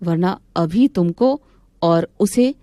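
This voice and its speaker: A woman's voice: fairly low pitch, slow, dark tone, dry recording, voice pushed down. A woman voicing a hot-tempered young wife in a cartoon, scolding and commanding.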